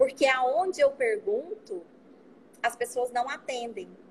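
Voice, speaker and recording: Very wide pitch swings mark a woman's speech at a very slow pace. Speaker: psychologist. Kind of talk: casual interview. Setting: online live stream.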